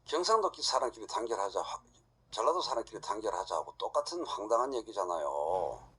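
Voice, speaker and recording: A middle-aged man lectures an audience, bluntly firing rhetorical questions. His voice is husky, and his pitch rises and falls widely and lively. He speaks directly and without hesitation. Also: fairly quick.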